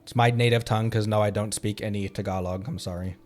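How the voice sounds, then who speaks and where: A man streaming a game from home, chatting casually, excitable and rambling, laughing often as he talks. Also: lowish voice, quick pace, faint music behind. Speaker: VTuber streamer. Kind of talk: casual gameplay chat.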